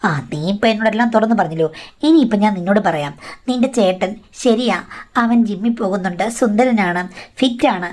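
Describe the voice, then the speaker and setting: A woman's voice: medium pitch, brisk, a little mellow, natural voice. A woman voicing a blunt, scolding middle-aged mother who lectures her daughter in a matter-of-fact way. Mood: lecturing.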